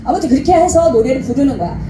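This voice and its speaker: A woman's voice: high-pitched, racing, background noise. A woman teaching a singing class, joking with her students and singing short phrases to show them how. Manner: lively, joking, sings phrases to demonstrate. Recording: roomy hall with backing music.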